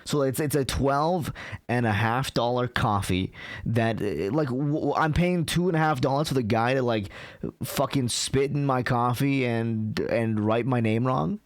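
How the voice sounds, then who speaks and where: Ranting young Canadian streamer. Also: male voice, medium pitch, unhurried, dry recording, studio quality. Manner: ranting, casual, swears often, many fillers. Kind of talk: casual live-stream chat.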